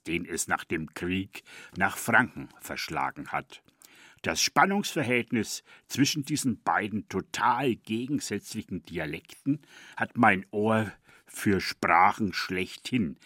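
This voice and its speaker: Older man in his 70s, dialect poet, reads a scripted essay in a low voice with a dry, close sound. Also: fairly bright tone, dry recording. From Franconia, Germany. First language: East Franconian dialect. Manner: measured, deliberate reading. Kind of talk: scripted personal radio essay.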